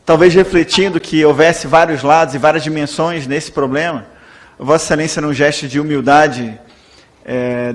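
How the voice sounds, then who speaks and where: A Brazilian Portuguese-speaking man addresses the chair in a formal, measured and deferential tone. His voice sits slightly high for a man. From Brazil, born in Salvador. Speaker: legislator. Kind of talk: parliamentary speech.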